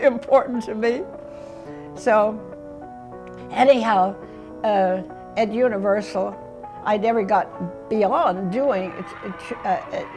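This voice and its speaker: Over music in the background, a woman talks at a very slow pace with long, frequent pauses. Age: old. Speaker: film actress. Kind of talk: interview answer. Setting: in a moving car.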